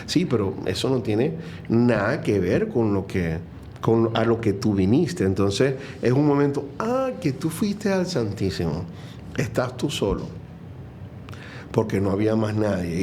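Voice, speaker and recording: A man's voice: fairly low pitch, very animated, normal speed, mellow, a little hiss or hum. Earnest Venezuelan man on faith and music. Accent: Venezuelan Spanish. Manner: earnest, reflective, many fillers and restarts. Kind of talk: conversational interview.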